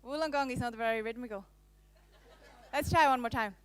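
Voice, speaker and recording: A woman's voice: on the high side, a little fast, clean tone. A woman in her thirties from Switzerland, with a Swiss-French accent, giving a conference talk on a handheld microphone, playful and teasing her audience. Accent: Swiss, with some French. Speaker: conference speaker. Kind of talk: live keynote presentation. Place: conference hall.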